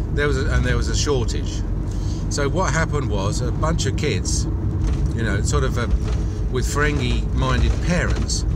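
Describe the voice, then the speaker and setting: At a moderate pace and with ordinary pitch variation, the speech comes through loud background noise with long, frequent pauses and a dry sound with no echo. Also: man. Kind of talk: casual vlog chat. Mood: critical, reflective. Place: car. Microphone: phone near.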